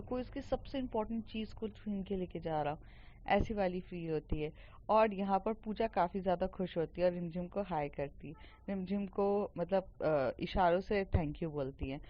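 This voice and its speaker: Woman, casual storyteller, chatty, mixes in English, mid pitch, dull lo-fi recording. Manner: chatty, with fillers and English words mixed in.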